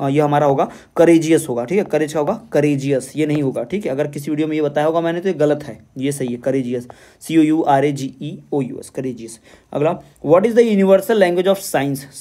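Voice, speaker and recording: Man, exam-prep tutor: slightly high voice, reads English questions slowly, explains quickly, repeats and spells out answers. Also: steady tone, dark tone. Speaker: teacher.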